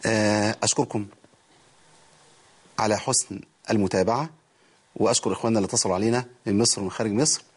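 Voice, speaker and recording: A man with an Egyptian accent teaching Quran recitation on a TV programme, explaining rules in quick colloquial speech and reciting verses slowly. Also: on the low side, steady tone, husky. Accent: Egyptian Arabic. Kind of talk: TV recitation lesson.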